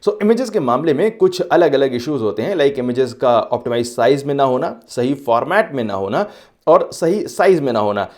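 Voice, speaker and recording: Male tutorial host, mid-pitched, clear instructive delivery, switches between Hindi and English phrases. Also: expressive. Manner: explains step by step with everyday analogies; clear, instructive delivery with brief filler pauses. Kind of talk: scripted screen-recorded tutorial.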